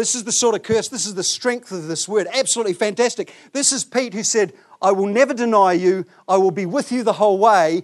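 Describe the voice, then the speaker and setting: A man with a high voice speaks fairly quickly in an animated tone. The background is quiet. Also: ordinary pitch variation. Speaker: preacher giving a talk at a church. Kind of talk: sermon. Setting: church with live audience. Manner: animated, humorous storyteller.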